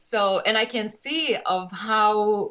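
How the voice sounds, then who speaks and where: Speaking with a Brazilian Portuguese accent, a woman holds a medium pitch. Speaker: board game designer. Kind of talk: personal testimony in interview. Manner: halting.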